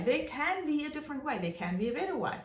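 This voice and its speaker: A woman speaks with a South African accent and lively intonation, her tone animated. There is audible echo in the room. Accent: Afrikaans South African English. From South Africa, small country town. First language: Afrikaans. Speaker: local councillor and vlogger. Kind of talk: livestream monologue. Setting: livestream video. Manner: animated, conversational.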